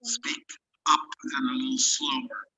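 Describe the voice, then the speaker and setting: A man leading an online class discussion as a spiritual teacher, speaking thoughtfully with hesitant fillers, his voice robotic and low in sample rate over a video call. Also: wildly swooping pitch, unhurried, a crowd in the background, poor audio. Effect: robotic, low sample rate video-call audio.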